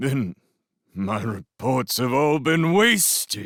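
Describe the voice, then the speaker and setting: Putting on a raspy character voice, a man speaks very slowly at a medium pitch with very wide pitch swings, in a dry, close sound with no echo. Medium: read story. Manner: earnest, emotional.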